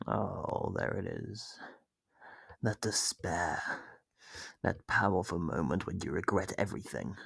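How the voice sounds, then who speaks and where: Horror ASMR monster captor, played by a man: deep, unhurried, smugly menacing, taunting his prey in a husky, breathy drawl. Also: a bit bright, no room sound, heavily acted. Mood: gloating. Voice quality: gravelly, husky, often dropping to a breathy whisper. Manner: slow, taunting, theatrical drawl with drawn-out pauses. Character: sadistic male monster captor, smug, menacing, toying with prey. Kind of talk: horror ASMR roleplay monologue.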